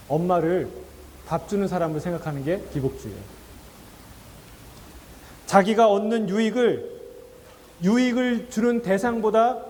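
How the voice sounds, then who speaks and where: High-voiced man preaching in a hall. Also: a little mellow. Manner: conversational, asks the congregation questions; acts out quoted voices with laughs. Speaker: pastor. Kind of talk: sermon. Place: church sanctuary.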